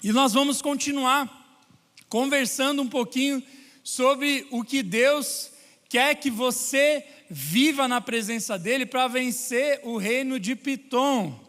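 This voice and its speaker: A man with a Brazilian Portuguese accent preaching a sermon in a church, lively and joking with his congregation. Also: very high voice, slow, in a large hall. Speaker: pastor. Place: large church hall.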